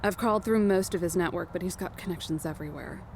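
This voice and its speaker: A woman's voice: on the low side, quick pace, creaky, a little mellow. A woman acting a weary, protective young leader of fugitives in an audio drama, with a subdued, serious delivery. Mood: weary, resigned. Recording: noisy outdoor ambience bed.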